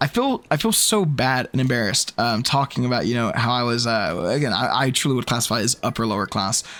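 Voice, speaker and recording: A man at a very fast pace, his loudness very even. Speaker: gaming youtuber. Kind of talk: gameplay commentary. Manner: halting, repeats words.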